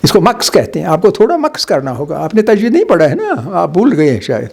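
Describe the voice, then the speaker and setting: A middle-aged man teaches Quran recitation in a slightly high voice. He stretches syllables slowly to demonstrate each sound, then explains briskly. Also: huge pitch swings, creaky, a little mellow. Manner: slow drawn-out demonstration of syllables. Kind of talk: religious lesson on Quran recitation.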